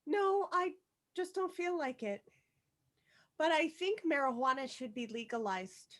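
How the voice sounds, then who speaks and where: A high, bright voice from a woman acting as an awkward teenage girl in a screenplay read. She is anxious and halting, apologetic yet stubborn underneath. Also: expressive. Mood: nervous, meek. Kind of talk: virtual table read of a screenplay.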